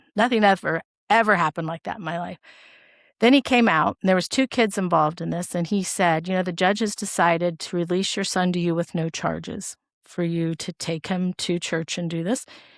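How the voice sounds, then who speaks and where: A woman's normal speaking voice with ordinary pitch variation at a fairly quick pace, in a very clean recording with a silent background. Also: fairly low pitch for a woman, dry, close sound with no echo. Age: 60s. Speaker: physician assistant, podcast co-host. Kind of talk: personal testimony in casual conversation.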